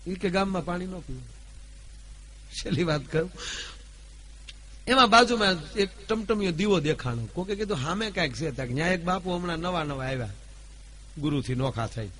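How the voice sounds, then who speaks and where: A man, telling folk stories at a live gathering, declaiming loudly at his peaks and then dropping to a low, confiding tone. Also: slight background noise. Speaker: folk storyteller. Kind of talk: live folk storytelling (dayro).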